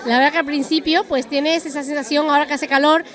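A woman's voice: high voice, fairly even intonation, fast talker, a bit bright. A middle-aged woman reporting from a lunch event with a handheld mic, chatty and effusive. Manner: chatty, effusive, self-aware talker. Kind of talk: event interview. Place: busy restaurant event indoors.

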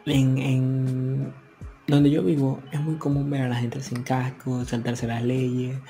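A man's voice: medium pitch, little pitch movement, slow pace, warm tone. A young man giving a wry, casual voice-over full of local slang. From Ecuador. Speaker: motovlogger. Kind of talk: relaxed voice-over narration. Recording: voice-over with faint music behind.

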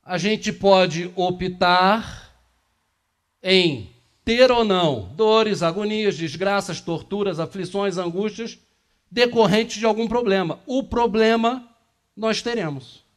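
High-voiced man lecturing in a meeting room. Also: takes it slowly. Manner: conversational, asks the audience questions, gestures widely. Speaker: lecturer at a spiritist center. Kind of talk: spiritist lecture to a small audience. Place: small meeting room with projector screen. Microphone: room camera from across the room.

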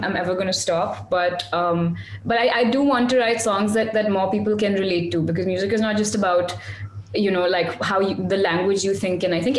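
A young woman who writes and sings her own songs chats casually in a mid-range voice over a webcam video call from a small home room. She puts herself down, restarts a lot and leans on fillers, and the audio is reverberant with slight background noise.

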